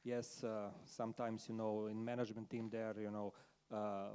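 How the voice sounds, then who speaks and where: A man with a Serbian accent speaks as a panelist in a low, flat and mellow voice. He pauses often and fills the gaps with hesitations. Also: clear, resonant tone. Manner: halting, many fillers, non-native phrasing. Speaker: panelist, company manager. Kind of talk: panel discussion answers.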